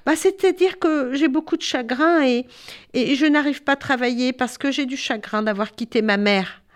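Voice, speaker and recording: A woman voicing a lazy, frightened young girl who speaks softly and whines. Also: sits high, moderate pace, pitched above the performer's own voice, natural voice. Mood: whiny.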